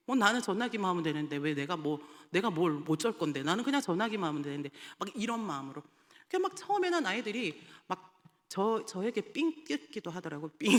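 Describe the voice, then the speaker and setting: Animated woman preacher in reverberant church. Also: medium pitch. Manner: animated storytelling, often laughing. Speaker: evangelist. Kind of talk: testimony in a sermon. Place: church sanctuary. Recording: long church hall reverb.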